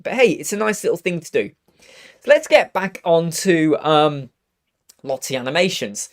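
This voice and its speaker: A man in his thirties with a croaky voice from a cold, chatting upbeat through a live web design tutorial. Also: fairly high pitch. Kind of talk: casual live tutorial chat. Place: home studio room with purple lighting.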